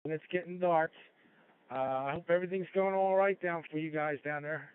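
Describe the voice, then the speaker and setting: A man's voice: on the high side, fairly even intonation, brisk, smooth. A man chatting casually as a novice amateur radio operator, heard over a two-way digital radio. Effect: two-way digital radio transmission. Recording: dry, muffled digital radio audio.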